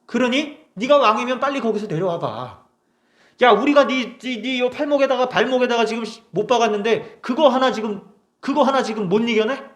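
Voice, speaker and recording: A man's voice: very high voice, lively intonation, brisk, roomy sound, voice pushed up. A man voicing a sneering man in a crowd who taunts a dying king. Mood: mocking.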